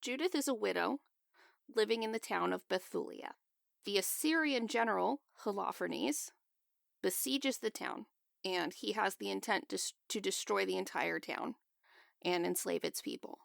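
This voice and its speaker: Gravelly-voiced woman explaining things. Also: mid-range voice, moderate pace, dry recording, studio quality. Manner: explanatory, chatty, laughs often. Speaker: podcast co-host. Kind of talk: casual chat.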